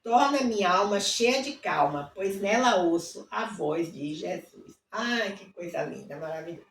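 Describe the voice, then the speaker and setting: A woman hosting a devotional reading, fervently reading hymn lyrics aloud, adding warm asides, and leading a prayer. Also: medium pitch, animated, unhurried, a little hiss or hum. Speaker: Bible reading host. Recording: roomy, distant mic with faint ambience.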